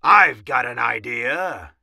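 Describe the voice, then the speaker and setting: A man voicing a brave, bossy mouse commanding officer with a squeaky, blustering military delivery for a children's storybook. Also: animated, takes it slowly, vocal fry, pushed and bright, husky, no room sound, clean studio sound, full character voice. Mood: determined, shouting.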